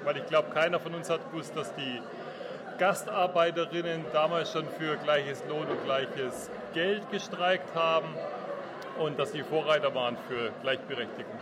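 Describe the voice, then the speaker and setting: An emphatic man with a slightly raised voice lays out his points in order as an audience member. Clear background noise runs underneath. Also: a little high, moderate pace.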